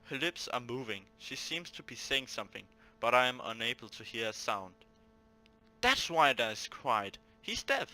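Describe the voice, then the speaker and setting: Bright-voiced man doing a game let's play. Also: medium pitch, normal speed, soft background music, rough recording. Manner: animated, jokey asides to the game's characters. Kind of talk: reading a visual novel aloud with excited commentary.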